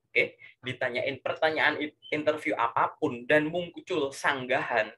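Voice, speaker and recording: Husky man coaching with rhetorical questions. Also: on the high side, measured pace. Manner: animated, leans heavily on filler tags. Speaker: career coach. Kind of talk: casual coaching chat.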